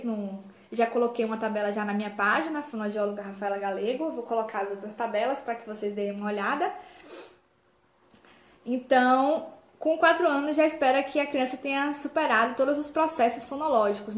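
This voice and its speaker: A woman's voice: on the high side, reverberant. Woman speech therapist with frequent tag questions. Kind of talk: live stream lesson for parents.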